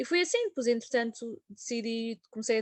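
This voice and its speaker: At a moderate pace, a woman with a fairly high pitch is heard in a dry, close sound with no echo. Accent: slight Madeiran. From Madeira, Portugal. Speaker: performance coach. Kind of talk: interview.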